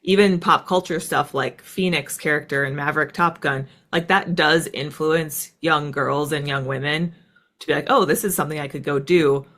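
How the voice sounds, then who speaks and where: Bright-voiced American woman telling her story. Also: low-pitched, steady tone, normal speed. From United States. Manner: conversational, peppered with "like" and "right". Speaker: interview guest, former military fighter pilot. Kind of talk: casual reflective interview storytelling.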